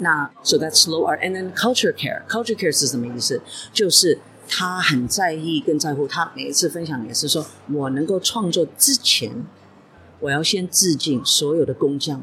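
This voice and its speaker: A woman's very deep, low voice with lively intonation at a moderate pace. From Hong Kong. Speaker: gallery owner. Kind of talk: interview. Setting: art fair floor.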